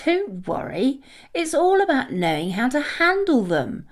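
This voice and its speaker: Woman voicing a cheeky high-pitched little girl caterpillar. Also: wildly swooping pitch, a little slow, full character voice. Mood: breezy. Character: young cheeky girl caterpillar, bold and fibbing.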